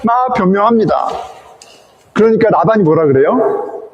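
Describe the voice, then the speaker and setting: Male pastor for an animated sermon; high, swooping delivery in a reverberant sanctuary. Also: normal speed, muffled recording. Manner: animated storytelling, acting out quoted characters. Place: church sanctuary. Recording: echoey church hall.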